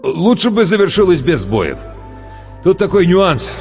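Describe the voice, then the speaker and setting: A man voicing a gruff army major who barks orders. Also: sits high, big pitch swings, a little slow, voice pushed up, full character voice. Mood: sighing. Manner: barking orders, shouting. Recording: long reverb with faint music.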